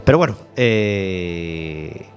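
A man hosts a radio interview in an easy, chatty way. His voice sits on the low side. Faint music plays softly behind him. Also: expressive, extremely slow. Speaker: radio host.

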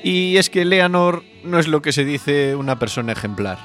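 A man's voice: on the high side, expressive, normal speed, music in the background. Man narrating a wry TV recap. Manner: wry, chatty storytelling. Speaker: video narrator.

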